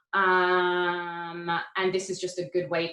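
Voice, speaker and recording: A woman talks with a bright, sharp tone. Her pitch is fairly low. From England. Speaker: lecturer on racial bias in maternal health care. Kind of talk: online workshop presentation. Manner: frequent filler ums.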